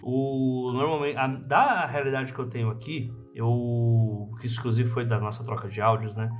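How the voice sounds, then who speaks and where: A man with a Brazilian accent hosting a casual podcast conversation, animated and slangy, with ironic asides. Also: mid-range voice, moderate pace. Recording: dull lo-fi audio with faint music.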